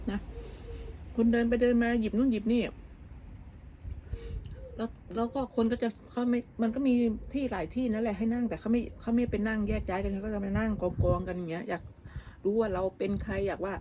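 A woman's voice: mid-range voice, steady tone, brisk, warm tone, a little hiss or hum. Woman chatting over kitchen clatter. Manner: gossipy, talks with many restarts and fillers. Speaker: vlogger. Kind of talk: casual chatty storytelling. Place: home kitchen abroad.

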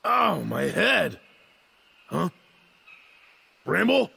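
A man voicing a big, wary but game older-brother bear in a cartoon, with exaggerated, expressive delivery. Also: high-pitched, extremely slow, gravelly, very noisy, exaggerated voice. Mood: puzzled. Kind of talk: animated cartoon dub acting. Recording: music under the voice.

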